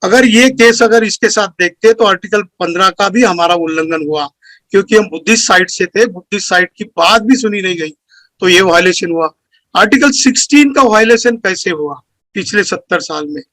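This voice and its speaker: Speaker, male, high voice, dry close sound; earnest, lecturing delivery, point by point. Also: a little fast, sharp tone, dry recording, rough recording. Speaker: speaker at a community meeting. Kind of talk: formal speech.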